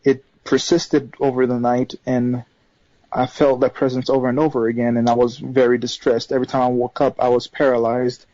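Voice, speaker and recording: A man from Haiti, whose first language is not English, calling into a radio show and telling a personal story with many pauses and fillers. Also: mid-range voice, little pitch movement, warm tone, no echo, muffled recording. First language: not English; third language. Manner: hesitant, many fillers and restarts. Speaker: caller.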